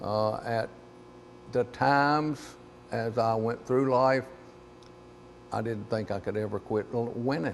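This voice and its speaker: A man at medium pitch with a Southern US accent, fairly slow and broken by long, frequent pauses, with ordinary pitch variation. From US South, North Carolina. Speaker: retired drag racing champion. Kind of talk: interview.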